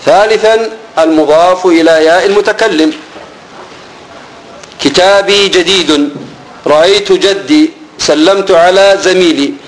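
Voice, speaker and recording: A male teacher explains a grammar lesson at a moderate pace, posing questions and answering them himself, repeating key words and going low and soft on each answer. The recording quality is poor.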